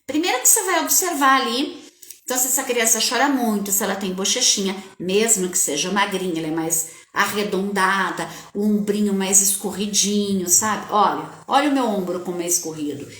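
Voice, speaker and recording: A woman parenting coach giving a casual live-stream talk, speaking straight to her viewers in a lively, conversational way. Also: mid-range voice, brisk. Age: adult with a child. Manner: animated, conversational, addresses viewers directly. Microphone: webcam or phone on a live stream. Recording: echoey room.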